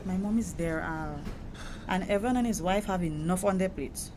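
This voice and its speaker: A woman's voice: lowish voice, moderate pace, natural voice. A woman with a Caribbean accent playing a proud, wounded young gay woman in a conversational audio drama, emphatic and indignant. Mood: heavy-hearted, resolute. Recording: noticeable background noise.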